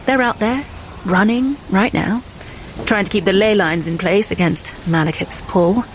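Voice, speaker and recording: Actress as stern warrior woman over faint rumble. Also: measured pace, natural voice. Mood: grave, scolding. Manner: authoritative, solemn, rousing. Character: stern, commanding Asgardian warrior woman, grave and urgent. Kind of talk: audio drama acting.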